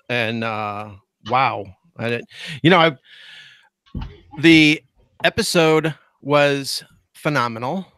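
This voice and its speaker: A man's voice: medium pitch, fairly bright tone, no echo. A man as guest host of a podcast, gushing with enthusiastic fan praise in casual chat.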